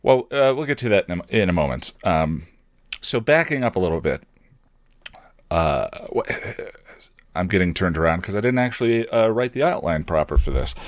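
A man's voice: deep voice, sing-song, normal speed, no echo, studio quality. A man hosting a casual solo podcast, talking in a digressive, self-deprecating way and often correcting himself mid-thought. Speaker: podcast host.

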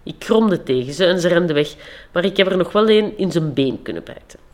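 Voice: mid-range voice, animated, brisk, natural voice. A storyteller voicing a loyal male white dog who tells of being mistreated, in a raised, agitated manner. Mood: indignant.

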